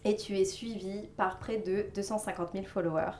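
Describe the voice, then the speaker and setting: Woman podcast host, hesitant, lots of pauses, roomy echoey sound, faint background noise. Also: mid-range voice, fairly even intonation, a little mellow. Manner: many hesitations, reads guest bios. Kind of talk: casual interview chat.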